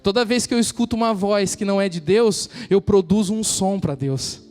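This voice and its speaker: A male preacher telling a personal story in a sermon, rising into loud, fervent exhortation. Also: high-pitched, moderate pace, long reverb tail, soft background music.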